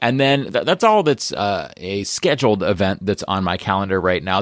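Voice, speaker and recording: A man with an American accent speaks at a moderate pace in an unremarkable speaking voice. His fairly low pitch shows ordinary variation, and the sound is dry and close with no echo. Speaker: podcast host and eighth grade science teacher. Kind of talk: podcast monologue. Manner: casual, with fillers and self-corrections.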